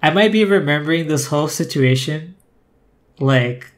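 A man's voice: a little high, moderate pace. A man, a guest talking casually and thoughtfully on a podcast, often restarting his sentences. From Brazil. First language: Portuguese. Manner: thoughtful, rambling with frequent restarts. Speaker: guest, former community manager.

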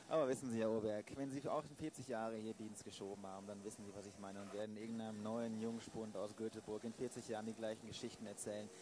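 A man's voice: on the low side, noisy background, natural voice. A man playing a disillusioned old police inspector in a radio play, dry, resigned and sardonic. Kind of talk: improvised German radio play.

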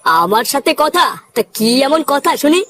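A woman's voice: high voice, very animated, moderate pace, fairly bright tone, dry recording. A woman voicing a stern old village father. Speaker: cartoon character.

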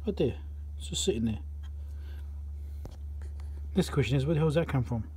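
A man's voice: mid-range voice, animated, normal speed, mellow, a little hiss or hum. Man muttering over a repair bench. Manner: muttering, thinking aloud while working. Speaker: electronics repair presenter. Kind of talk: casual workbench commentary. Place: electronics workbench indoors.

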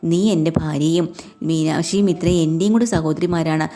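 A woman voicing a patient young husband who gently reasons with his wife in a retold family story. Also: on the high side, steady tone, fairly quick, close to an everyday voice.

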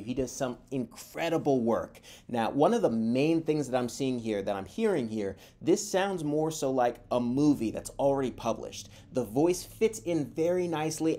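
A man's voice: medium pitch, mellow. A young man giving casual, emphatic commentary as he reviews audio demos, recorded in a room at home. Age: young adult. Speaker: voice actor giving advice.

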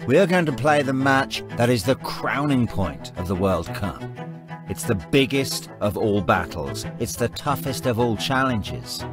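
An actor playing a determined, encouraging cricket team coach in a video game, speaking in emphatic, rehearsed lines. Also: male voice, mid-range voice, animated, unhurried, lightly acted. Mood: rousing. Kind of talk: scripted motivational speech and press answers. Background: music.

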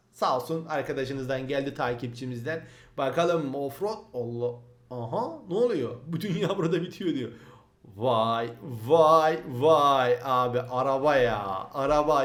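Excitable high-voiced man, echoey room. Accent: Turkish. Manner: excitable, chatty, says "abi" a lot. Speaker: gaming channel host. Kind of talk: casual gameplay commentary.

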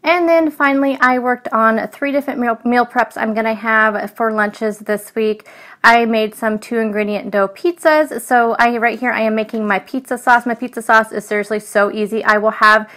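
A woman's voice: fairly high pitch, normal speed, a bit bright, faint music behind. A chatty woman narrating her weekly cooking in an easygoing voice-over. She talks loosely, with plenty of ums along the way. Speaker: food vlogger.

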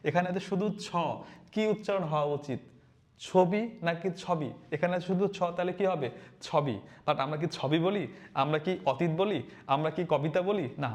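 A man teaching a lesson to students, repeating questions to them in an energetic way. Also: high-pitched. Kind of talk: classroom lesson video.

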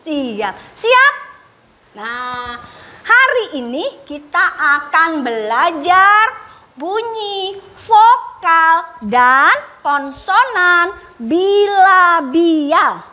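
A woman teacher talks to small children, stretching each word with slow, exaggerated care and praising them often. Her voice sits very high and rises and falls a lot. It sounds bright and clear. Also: big pitch swings. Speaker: special-needs schoolteacher. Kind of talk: radio lesson for children.

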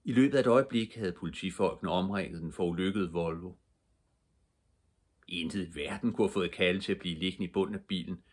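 Older man with a deep, husky reading voice. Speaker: storybook reader. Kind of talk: reading a children's book aloud.

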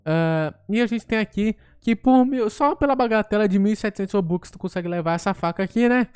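A man with a Brazilian accent giving live gameplay commentary as a gaming YouTuber, excitable and quick to blurt out interjections. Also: high voice, clear, resonant tone, no room sound, clean studio sound.

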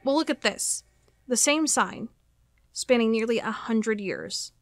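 A woman playing a determined, inquisitive FBI agent in an audio drama, speaking in a measured, probing, earnest way. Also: on the high side, animated, no echo, clean studio sound. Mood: intent.

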